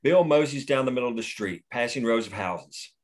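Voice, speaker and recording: A man's voice: medium pitch, lively intonation, brisk. A man plainly reading the action lines and stage directions at a screenplay table read.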